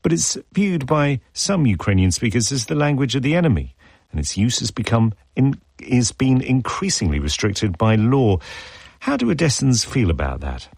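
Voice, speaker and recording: A man presenting live radio news, reading headlines and introducing reports in a measured, formal way. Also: medium pitch, big pitch swings, gravelly, darkish tone, breathy edge, no echo. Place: broadcast studio. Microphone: studio microphone.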